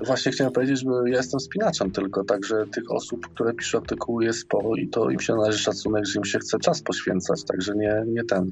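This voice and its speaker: A man's fairly low voice at a very fast pace, with hardly any pauses, very even loudness and ordinary pitch variation. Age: 40s. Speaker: blogger and magazine editor. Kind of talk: casual chat.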